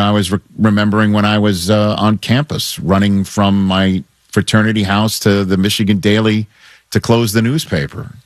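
A man's voice: fairly low pitch, no echo, studio quality. Upbeat man in his fifties hosting sports talk. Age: 50s. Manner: upbeat, chatty, quick asides. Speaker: sports talk show host. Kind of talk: radio talk show.

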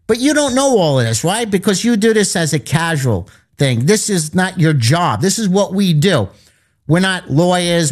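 A man hosting a sports betting radio show, rattling off lines and numbers as he pitches his picks. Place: East Coast of the United States.

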